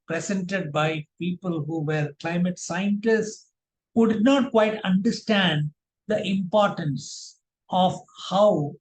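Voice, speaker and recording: A man teaching a public speaking workshop, speaking deliberately in short, emphatic phrases. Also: sits high. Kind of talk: instructional workshop presentation. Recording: roomy, echoing sound.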